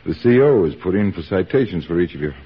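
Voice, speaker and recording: A brisk army surgeon. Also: male voice, low voice, animated, slightly rough. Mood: relaxed. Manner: brisk, commanding. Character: brisk wartime army surgeon, male, middle-aged. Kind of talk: 1940s radio acting. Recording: dull old radio recording.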